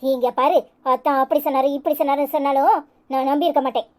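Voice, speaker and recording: A woman's voice: sits high, fairly even intonation, fast, natural voice. A woman playing a bossy elder village sister. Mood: stern. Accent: Tirunelveli Tamil. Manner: blunt, scolding, motherly. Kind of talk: cartoon voice acting.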